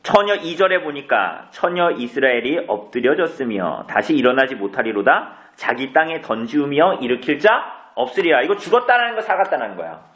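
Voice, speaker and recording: Animated, echoing church preacher, a man. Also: medium pitch, moderate pace, hardly any pauses. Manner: asks the congregation questions and answers them himself. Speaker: pastor. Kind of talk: evening service sermon, Bible exposition. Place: church sanctuary. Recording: roomy church echo.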